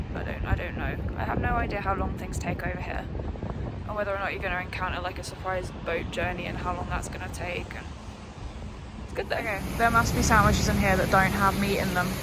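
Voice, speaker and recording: Someone with an English accent talks at a very fast pace. Noticeable background noise and audible room echo fill the recording. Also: woman. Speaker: motorcycle travel vlogger. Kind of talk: casual vlog narration. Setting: outdoors. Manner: soft-spoken.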